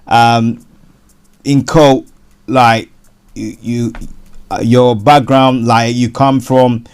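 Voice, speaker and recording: A man hosting a radio property show, interviewing a guest in a halting way, often repeating words. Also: medium pitch, flat delivery, smooth. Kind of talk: casual interview.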